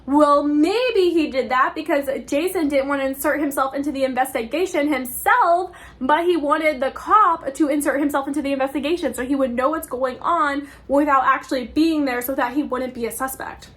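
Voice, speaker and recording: High-voiced young woman rambling through a book plot, chatty, kinda exasperated. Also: normal speed, few pauses, fairly bright tone. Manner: chatty, exasperated asides, acts out characters' quotes. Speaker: book reviewer. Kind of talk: casual spoiler plot summary.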